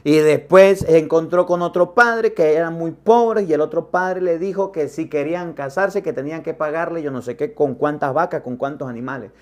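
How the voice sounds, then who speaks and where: A priest preaching a homily in a somewhat high voice. He is a middle-aged man and a lively storyteller who slips into the voices of the people in his story. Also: normal speed, hardly any pauses. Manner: vivid storyteller who acts out dialogue. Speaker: Catholic priest. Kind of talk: sermon with personal storytelling.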